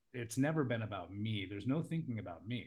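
At medium pitch and a moderate pace, a man with an American accent talks in an ordinary speaking voice. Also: very clean recording, silent background. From United States. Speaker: English teacher. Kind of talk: casual chat.

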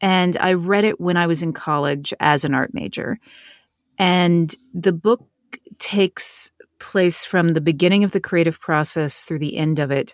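An ordinary speaking voice with an American accent and ordinary pitch variation, dry and close with no echo. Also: woman, fairly low pitch for a woman. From US South, Raleigh, North Carolina. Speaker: novelist. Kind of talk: interview.

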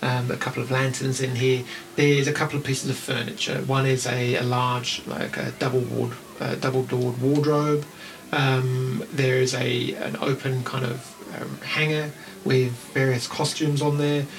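Music plays in the background as a man with a New Zealand accent speaks at a moderate pace and medium pitch. His intonation is monotone and flat. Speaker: dungeon master. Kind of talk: tabletop roleplaying game narration.

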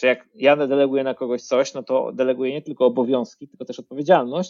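This man speaks at a very fast pace. His pitch sits fairly high for a man. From Poland, near Warsaw. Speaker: software engineer. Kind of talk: casual interview. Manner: halting, many fillers.

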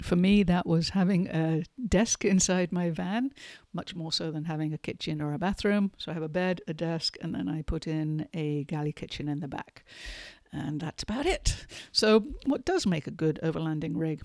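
A woman with an English accent talks at a moderate pace and a fairly low pitch, with ordinary pitch variation and a dry, close sound with no echo. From England. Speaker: podcast host and author. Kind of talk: solo podcast monologue.

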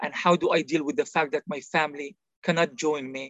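A man speaks with an Arabic accent at a fairly high pitch. His pace is moderate and his pitch varies in an ordinary way. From Gaza Strip, Palestine. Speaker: author. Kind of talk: interview. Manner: halting, with repetitions.

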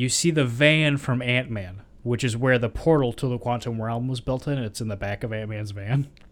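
Speaking at a moderate pace and medium pitch, a man barely pauses at all. His is an ordinary speaking voice with ordinary pitch variation. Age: 20s. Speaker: podcast co-host. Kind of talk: casual chat.

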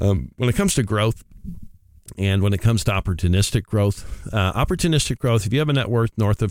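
An animated man speaks with ordinary pitch variation on a very clean recording with a silent background. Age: 40s. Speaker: financial advisor and radio host. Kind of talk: radio talk show monologue. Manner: animated, frequent fillers.

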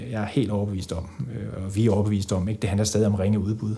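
Over noticeable background noise, a man speaks at a very fast pace. His voice is fairly low in pitch with fairly even intonation. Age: 30s. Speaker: vegetarian association secretary general. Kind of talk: podcast interview.

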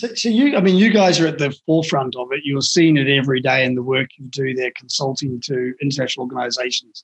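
A man speaks fairly quickly in a fairly high, somewhat breathy voice. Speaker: co-host, chief operating officer. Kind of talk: casual interview discussion. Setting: video call.

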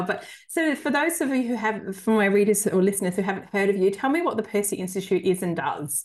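A woman with an Australian accent speaks over a quiet background. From rural Western Australia. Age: middle-aged. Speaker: podcast host. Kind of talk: casual interview chat.

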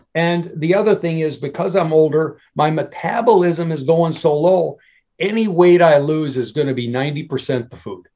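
A man's ordinary speaking voice, fairly high in pitch, with ordinary pitch variation at a moderate pace. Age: 60s. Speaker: psychology professor. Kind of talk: interview.

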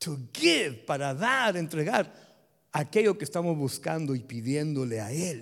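In a normal speaking voice, a man talks at a fairly slow pace with a fairly high pitch and lively intonation on a very clean recording with a silent background. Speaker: pastor. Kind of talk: sermon. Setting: church with congregation. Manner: switches between Spanish and English line by line, repeating each point.

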